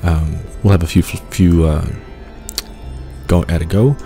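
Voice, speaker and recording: Very low-voiced man with a stuffy cold, hosting a laid-back game playthrough, faint music under him. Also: steady tone, a little slow, dark tone. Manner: rambling, filler-heavy, easygoing. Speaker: let's play host. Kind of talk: casual gameplay commentary.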